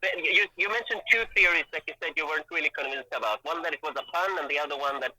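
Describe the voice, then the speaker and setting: A man's voice: fairly high pitch, very fast, pushed and bright, no room sound, rough recording. A man whose first language is Hebrew, explaining word meanings in a casual chat over a call, thoughtful and hesitant with many restarts. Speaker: guest language expert.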